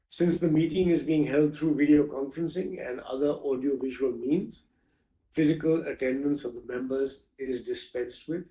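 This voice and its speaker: Mellow man, formal, in a roomy space. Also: mid-range voice. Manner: measured, formal, reading from prepared text. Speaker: company chairperson. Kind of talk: formal scripted address at a shareholder meeting. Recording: dull, roomy video-conference audio.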